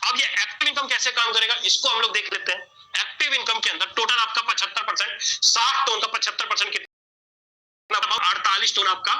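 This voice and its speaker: High bright-voiced man explaining repetitively. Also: steady tone, moderate pace, soft background music, poor audio. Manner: repetitive, addresses listener as sir. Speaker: presenter explaining an earning plan. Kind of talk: whiteboard explainer talk.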